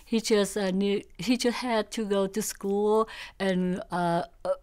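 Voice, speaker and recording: Slow, clear Vietnamese-accented woman in her sixties. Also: mid-range voice, steady tone, darkish tone. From South Vietnam. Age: 60s. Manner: halting, searching for words in imperfect English. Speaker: oral history interviewee. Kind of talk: recalling family history in an interview. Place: indoor studio with backdrop.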